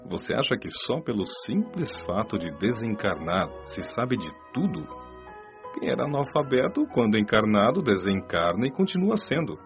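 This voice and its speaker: Radio drama mentor: patient, wise Brazilian man, instructive delivery, low register, music bed. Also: big pitch swings. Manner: didactic, measured explaining. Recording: lo-fi band-limited audio, music behind.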